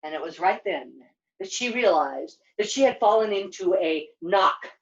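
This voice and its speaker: A woman's voice: fairly low pitch, animated, normal speed. A woman puppeteer telling a children's puppet-show story as its narrator. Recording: dull lo-fi sound.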